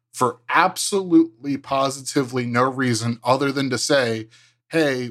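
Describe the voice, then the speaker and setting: Recorded very cleanly against a silent background, a man with an ordinary speaking voice talks at a moderate pace and medium pitch. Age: 30s. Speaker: tech writer. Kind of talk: casual chat.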